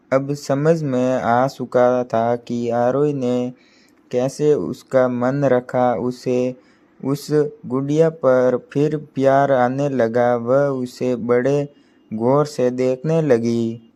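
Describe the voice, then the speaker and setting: Slow, mellow man telling a story. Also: medium pitch. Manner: slow, halting reading with restarts. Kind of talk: storybook narration.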